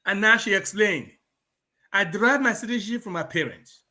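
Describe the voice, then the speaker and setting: A man's voice: high-pitched, moderate pace, pushed and bright. A man with a Yoruba accent from Nigeria, a guest on a talk show, talking emphatically and switching between Yoruba and English. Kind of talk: political talk show discussion.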